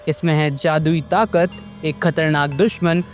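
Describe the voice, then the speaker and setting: A male storyteller narrating a scripted horror-fantasy tale. His voice sits high for a man and his delivery is lively and dramatic. Faint music plays under him. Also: measured pace.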